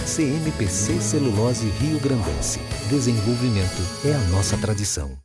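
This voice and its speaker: A man reading a solemn, slow advertising voice-over. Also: medium pitch, expressive. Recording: loud music bed.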